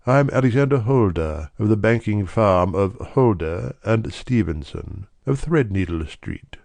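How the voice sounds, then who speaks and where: A man's voice: lowish voice, lively intonation, unhurried, gravelly, a little mellow, no room sound. A man voicing a distraught, dignified middle-aged banker pleading his case earnestly. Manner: agitated, earnest, breathless pleading.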